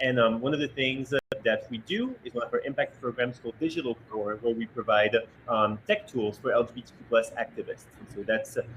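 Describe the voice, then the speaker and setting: A man speaks with a French accent over noticeable background noise. His loudness swings widely. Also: fairly quick pace. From France. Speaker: nonprofit program director, panelist. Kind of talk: panel discussion introduction.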